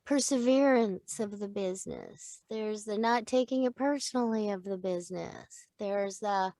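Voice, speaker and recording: A middle-aged woman, a voice-over teacher, chatting in an interview in an animated way, laughing often and acting out example lines. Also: mid-range voice, measured pace, no room sound. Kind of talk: casual interview chat.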